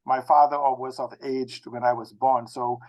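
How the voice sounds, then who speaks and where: A man in his sixties from the Bahamas with a Bahamian accent, talking as an interview guest in a halting, circling way with repeated phrases. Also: medium pitch, little pitch movement, a little mellow, rough recording. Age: 60s. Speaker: interview guest, technology expert. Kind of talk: conversational autobiographical interview talk.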